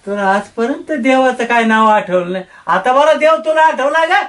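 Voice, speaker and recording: Guy doing a grumpy nagging old dad, high-pitched, kinda far from the mic. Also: animated, normal speed, a bit bright. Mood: scolding. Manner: scolding, nagging, suspicious. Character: grumpy suspicious old father, bossy villager. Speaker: father Tatya. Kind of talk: village comedy drama acting.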